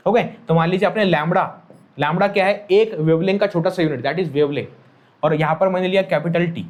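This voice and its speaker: A man's voice: high-pitched, a little mellow. A man teaching a physics lesson, repeating key phrases and often checking that students follow, mixing in English terms. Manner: mixes Hindi with English terms. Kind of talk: classroom lecture.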